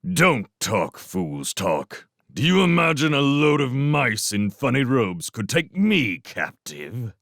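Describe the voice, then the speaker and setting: A man's voice: sing-song, a bit bright, no room sound, clean studio sound, heavily acted. A man doing a cold, scornful rat warlord. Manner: slow, contemptuous, low asides.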